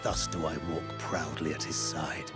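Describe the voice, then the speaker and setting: An actor voicing a proud, calmly menacing male fire archfiend in a video game cutscene, speaking slowly and solemnly. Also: extremely low pitch. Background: game music.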